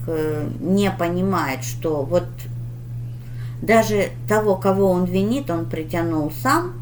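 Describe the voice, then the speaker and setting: A woman reading tarot for her viewers in a deliberate, instructive manner, with pauses and emphatic advice. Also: lowish voice, a little hiss or hum. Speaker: tarot reader hosting her channel.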